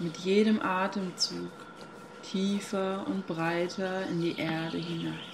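Over noticeable background noise, a woman speaks very slowly at a medium pitch, her calm, soothing tone carried by fairly even intonation. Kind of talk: guided meditation. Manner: slow, calm, soothing, with long pauses.

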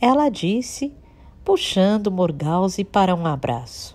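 A woman speaks in a dramatic tone with a dark, mellow quality and a fairly low pitch. Her voice is somewhat breathy, and her pitch swings very widely. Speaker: audiobook narrator. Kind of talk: dramatized audiobook narration, reading a fantasy novel aloud. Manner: dramatic, expressive, shifting voices for characters.

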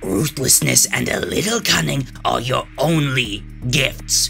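A man speaks fairly slowly in a put-on character voice. Clear music plays in the background. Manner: scornful, lecturing.

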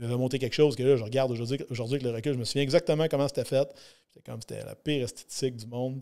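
With a Quebec accent, a man speaks at a very fast pace in a medium pitch and a dark, mellow tone, his intonation fairly even and his loudness swinging widely against a quiet background. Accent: Québécois French. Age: 40s. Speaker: former bodybuilder and fitness coach; fitness coach. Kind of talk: casual interview. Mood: candid, reflective storytelling. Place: studio. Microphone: studio mic.

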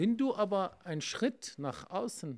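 A man in an Arabic accent, very slow and with lively intonation, against a quiet background. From Syria, Yarmouk camp south of Damascus; Syria. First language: Arabic (speaking German). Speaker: guest speaking about Palestine and faith; guest. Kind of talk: interview conversation. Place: studio. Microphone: studio mic.

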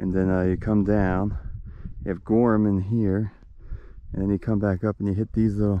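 A man speaks at a moderate pace with a fairly low pitch. The sound is dry, with no echo. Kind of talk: casual vlog chat. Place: open country. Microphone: phone near.

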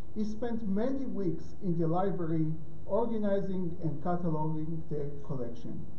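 Over light background noise and audible room echo, a man speaks with lively intonation. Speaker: library director. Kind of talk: speaker introduction. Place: hall. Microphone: camera far.

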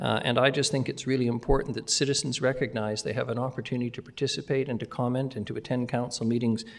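Speaking at a very fast pace, a man keeps his intonation fairly even. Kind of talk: formal meeting announcements. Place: hall. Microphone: podium.

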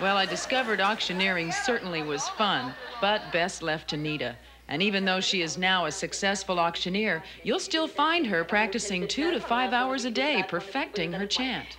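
A woman speaks with a medium pitch and very wide pitch swings. Noticeable background noise sits behind her. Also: moderate pace. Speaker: TV show host reporter. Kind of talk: TV segment narration.

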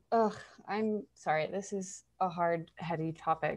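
Her speech moves at a very slow pace. The woman's pitch varies in an ordinary way. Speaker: data science learner. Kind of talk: casual chat. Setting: video call. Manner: emotional. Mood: hesitant, serious. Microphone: video call.

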